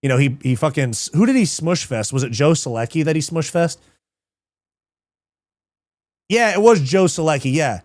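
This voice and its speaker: Excitable profane man hosting a fight show. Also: a little high, no echo, clean studio sound. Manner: profane, excitable, reads live chat, laughs often. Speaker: livestream MMA show host. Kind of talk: casual livestream commentary.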